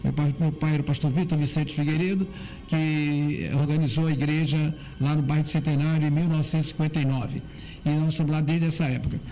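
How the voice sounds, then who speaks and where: A man's fairly high, monotone voice, flat in intonation, very fast and very even in loudness, over noticeable background noise. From Duque de Caxias, Rio de Janeiro, Brazil. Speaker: dentist. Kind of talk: radio talk show conversation.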